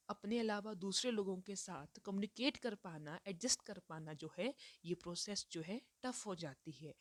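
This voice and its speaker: A woman teacher gives a lecture, working through each point step by step and stopping to ask rhetorical questions. Her voice sits at an ordinary middle pitch. The recording is close and dry, with no room sound. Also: no echo. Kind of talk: Hindi lecture mixed with English terms.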